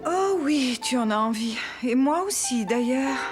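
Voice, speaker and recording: A patient cartoon mother talks in a high voice. She coaxes tenderly yet stays firm, with clear music playing behind. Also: lively intonation, a little slow. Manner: soft-hearted, coaxing. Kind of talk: cartoon voice acting, French dub.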